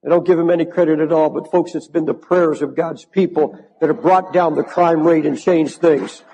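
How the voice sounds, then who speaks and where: An older male pastor preaching in a large church, his voice sitting notably high for a man. He builds into fervent, emphatic repetition. The sound carries a long reverb from the hall. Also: steady tone, normal speed, warm tone, breathy edge. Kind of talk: sermon.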